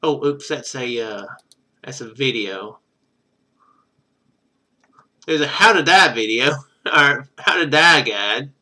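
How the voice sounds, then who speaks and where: A man's voice: medium pitch, animated, slow, long pauses, sharp tone. A man doing casual video game commentary, thinking aloud as he plays.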